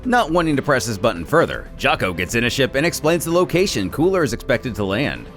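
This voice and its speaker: Lively male recap narrator. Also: mid-range voice, brisk. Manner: lively, expressive storyteller with asides. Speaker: channel host. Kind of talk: scripted story recap narration. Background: soft background music.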